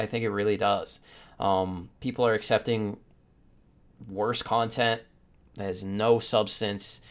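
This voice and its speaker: A man hosting a podcast in casual discussion, rambling through his opinions with the odd chuckle as he talks. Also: lowish voice. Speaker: podcast host.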